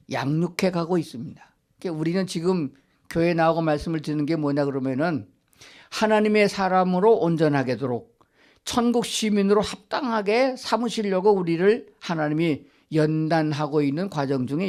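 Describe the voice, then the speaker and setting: An older man with a high-pitched, darkish voice preaches a Sunday sermon in a church sanctuary. The pastor poses questions to the congregation and then answers them himself.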